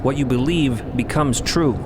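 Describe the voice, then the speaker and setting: A man playing a solemn, commanding mystic of a ship, speaking in a formal, measured, didactic way in an audio drama. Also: close to an everyday voice. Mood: challenging. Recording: rumbling vehicle-like background noise.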